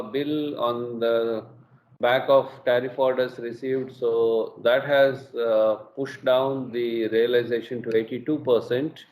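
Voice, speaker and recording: A middle-aged man with an Indian English accent presents quarterly results on an earnings call, measured and full of hesitations. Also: mid-range voice, darkish tone, a little hiss or hum. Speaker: company executive presenting results. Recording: echoey room with faint ambience.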